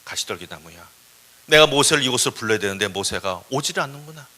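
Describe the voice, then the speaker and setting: A man voicing God as a calm, commanding fatherly deity, speaking low, slow and solemn.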